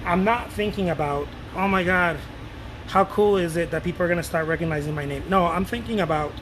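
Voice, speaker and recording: Late-30s guy, kinda high voice, rambly chatty vlog talk, aircon humming behind. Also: brisk, noisy background. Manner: loose and animated, repeats words, swears casually. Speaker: painter talking to his viewers. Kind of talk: casual rambling talk to camera.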